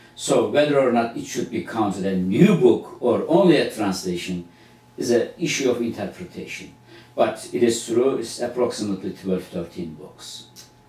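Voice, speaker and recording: A man at a medium pitch with very wide pitch swings and a moderate pace. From Turkey. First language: Turkish. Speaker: professor, author. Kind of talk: interview. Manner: halting.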